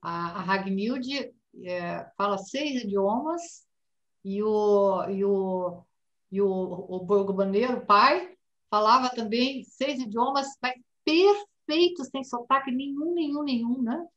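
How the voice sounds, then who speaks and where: A woman's voice: fairly high pitch, takes it slowly, far from the mic, dull audio. A woman moderating a talk, emphatic and repeating words for stress. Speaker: moderator, music teacher.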